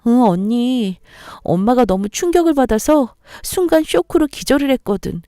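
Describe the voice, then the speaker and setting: A woman's voice: fairly high pitch, normal speed, warm tone, dry recording, studio quality, pitched above the performer's own voice, lightly acted. A woman voicing an anxious younger sister who asks fretful questions. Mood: worried.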